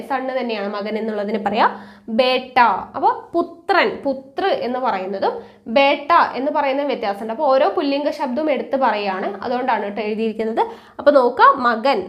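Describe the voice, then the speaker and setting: A woman teaching a language lesson, patiently repeating words and answering her own questions. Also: high voice. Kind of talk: exam-prep language lesson.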